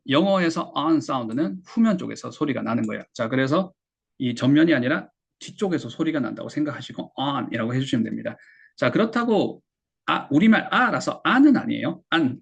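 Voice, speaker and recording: A Korean man teaching English pronunciation, patiently explaining and slowly repeating words for learners. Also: mid-range voice, gravelly, husky, dull audio. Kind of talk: explaining lesson.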